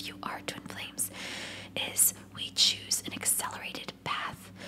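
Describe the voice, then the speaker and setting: Noticeable background noise fills the recording. A woman whispers through it at a moderate pace. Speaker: tarot reader and spirituality YouTuber. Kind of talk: ASMR tarot reading. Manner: whispered.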